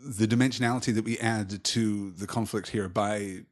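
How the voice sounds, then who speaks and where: A man's voice: on the low side, fairly even intonation, normal speed. A man co-hosting a podcast, talking film with friends in an enthusiastic, articulate, analytical way. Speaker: podcast co-host. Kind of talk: animated film discussion among friends.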